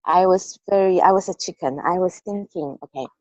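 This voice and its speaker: Speaking briskly in a lowish, darkish voice, a woman from Taiwan shares her story openly in a casual team-call interview, full of hesitant restarts and "okay." The recording is dry, yet the call audio is dull and lo-fi.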